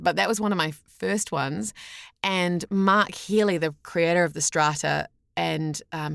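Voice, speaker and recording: Podcast guest, female, low voice, chatty explainer who rephrases as she goes, dry close sound. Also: gravelly, a bit bright, no room sound. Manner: chatty, explanatory, self-correcting. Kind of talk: casual interview talk.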